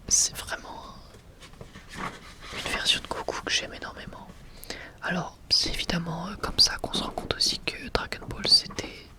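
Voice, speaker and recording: A person whispering softly and casually in an unscripted, hesitant ASMR presentation. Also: mid-range voice. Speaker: ASMR video creator presenting a manga collection.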